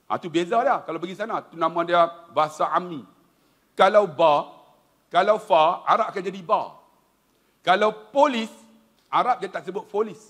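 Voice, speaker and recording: A middle-aged man with a Malaysian Malay accent giving a humorous religious lecture, telling stories and often addressing his audience directly. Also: high-pitched. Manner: animated storytelling, addresses audience as tuan-tuan. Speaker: preacher.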